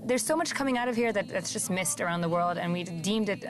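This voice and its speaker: A woman giving an interview answer, quick and eager with fillers. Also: medium pitch, lively intonation. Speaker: interviewee, station founder.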